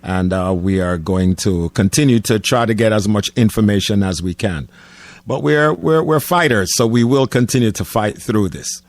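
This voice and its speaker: Male radio host, relaxed and chatty, lots of uh fillers, dry close sound. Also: fairly low pitch, normal speed, dry recording. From Jamaica. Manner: laid-back, frequent "uh" fillers. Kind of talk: casual radio interview. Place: radio studio.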